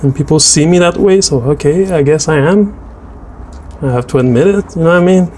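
His voice sits on the high side, mellow and fairly quick, with a little hiss or hum in the audio. A native French speaker with a French Canadian accent, he narrates a drawing video in a casual chat about his drawing and tastes, hesitant and full of restarts.

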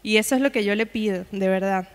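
A woman's voice: mid-range voice, quick pace. A woman preaching, telling a personal testimony to a congregation in a conversational way with frequent asides. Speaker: guest preacher. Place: church hall. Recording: long hall reverb.

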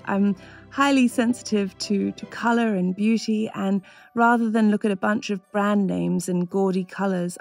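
A woman's voice: mid-range voice, vocal fry, a little mellow. A woman in her thirties, a lifestyle vlogger from Australia, narrating her home kitchen renovation in a chatty, enthusiastic way and laughing often. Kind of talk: voice-over narration and casual vlog talk.

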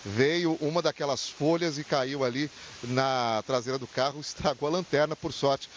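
A middle-aged man with a Brazilian accent reporting live from a city street into a handheld mic, conversational and animated, sometimes restarting phrases. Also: medium pitch, normal speed. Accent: Brazilian Portuguese. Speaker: field reporter. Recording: slightly dull with faint hiss.

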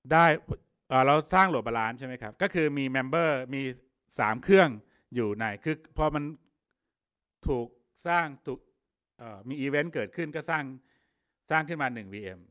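A man's voice: mid-range voice, a bit bright, clean tone. Thai man leading a tech workshop. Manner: casual explaining with fillers and polite particles. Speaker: workshop speaker. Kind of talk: technical workshop presentation.

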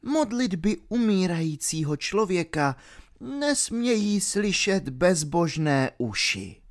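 A man's voice: sits high, sing-song, pitched above the performer's own voice. A man putting on a quavering old pilgrim. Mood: solemn. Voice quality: shaky, quavering. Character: trembling old male pilgrim, pious and pleading.

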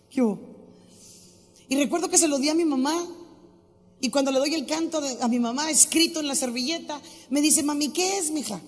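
A woman giving a lively preaching testimony as a Christian singer at a live church event, moving between soft and loud. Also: fairly high pitch. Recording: live hall with long reverb.

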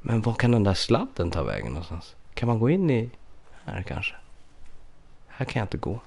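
A man's voice: on the low side, sing-song, gravelly, a little mellow. A man live-streaming a puzzle game with casual commentary, thinking aloud and chatting with viewers, slightly congested from a cold, on a USB studio microphone.

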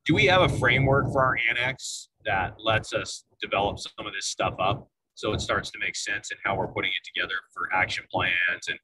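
A man phones into a meeting on his car speakerphone while he drives. His lowish voice sounds distant from the mic, and steady road noise runs under it. He talks haltingly and repeats words as he works out his question. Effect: car speakerphone call while driving. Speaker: fire chief calling into a meeting. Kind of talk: casual question in a video meeting. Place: inside a moving car.

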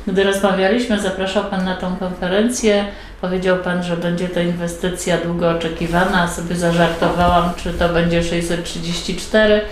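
A woman interviewer asking long, winding questions in a steady, level manner, with frequent murmured acknowledgements. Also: on the low side, normal speed. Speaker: interviewer, local newspaper host. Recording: echoey office room, faint background hum.

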